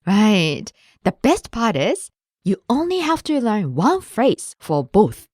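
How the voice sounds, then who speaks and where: A woman co-hosts a language lesson with a lively, bouncing voice, modeling each phrase clearly. The sound is dry and close. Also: mid-range voice, slow pace, dry recording. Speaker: native-speaker co-host of a language lesson. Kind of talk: scripted lesson dialogue.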